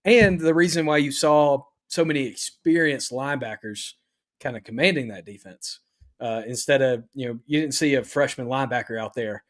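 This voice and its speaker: A man co-hosting a casual sports podcast, talking in a measured, agreeable way. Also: medium pitch. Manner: measured, agreeable, many "uh" fillers.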